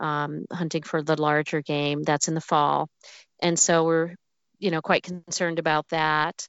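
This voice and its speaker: At a moderate pace, a woman with an American accent speaks in a plain, everyday voice at a fairly low pitch. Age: 50s. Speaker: horse rider and trail riding blogger. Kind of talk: casual interview.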